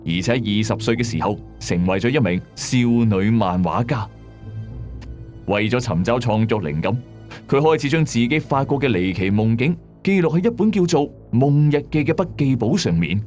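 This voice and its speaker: Animated Cantonese male storyteller over music. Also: mid-range voice. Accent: Hong Kong Cantonese. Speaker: host and storyteller. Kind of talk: scripted mystery storytelling narration.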